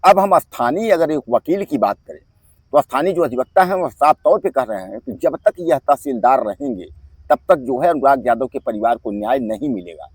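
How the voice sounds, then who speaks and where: Man, news commentary, husky voice, dry close sound, calls viewers friends, repetitive filler phrase. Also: mid-range voice, darkish tone, no echo. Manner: keeps inserting the filler "jo hai"; insistent, repeats points for emphasis.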